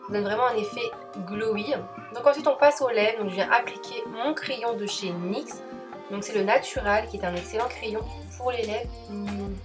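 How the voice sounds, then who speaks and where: A woman's voice: a little high, normal speed, music in the background. A young woman narrating her makeup tutorial as a chatty, enthusiastic voice-over. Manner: chatty, enthusiastic, addresses viewers as girls. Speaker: beauty vlogger.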